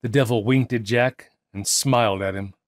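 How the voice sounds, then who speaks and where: A man narrating an audiobook as dramatic literary storytelling, theatrical, with deliberate pauses and emphasis. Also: mid-range voice, steady tone, dry recording, studio quality.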